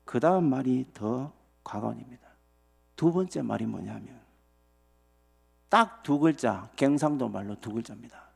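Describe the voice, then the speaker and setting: Male pastor, animated storytelling sermon; husky, expressive pitch. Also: moderate pace, pauses often. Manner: animated storytelling with rhetorical questions to the congregation. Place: church sanctuary.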